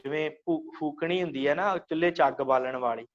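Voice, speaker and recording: A man teaching an online scripture class, explaining each line and chanting the verses slowly. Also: a little high, muffled recording.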